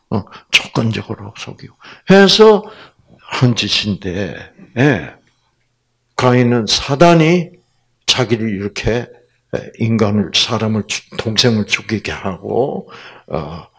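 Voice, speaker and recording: A man giving a Bible lecture to an audience, often putting rhetorical questions to his listeners and acting out quoted lines in sudden loud bursts. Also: lowish voice, lively intonation, slow, breathy edge.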